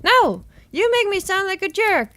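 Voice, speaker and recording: A woman's voice: very high-pitched, big pitch swings, measured pace, pushed and bright, no echo, voice pushed up, heavily acted. A woman voicing a brash, impatient warrior lady in a visual novel, blunt and sarcastic in her interruptions. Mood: dismissive.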